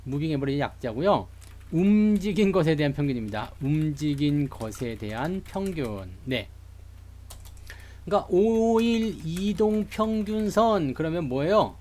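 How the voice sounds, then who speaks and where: This stock streamer from Seoul chats and jokes through a live lesson on stock charts, saying hello to viewers in the live chat. His voice sits on the high side with a dark tone and lively intonation, delivered at a measured pace.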